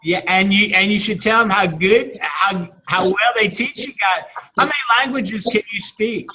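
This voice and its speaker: A man, a teacher chatting casually and haltingly with many restarts and fillers. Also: high-pitched, sharp tone, slight background noise, low-quality recording. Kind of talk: casual video-call chat.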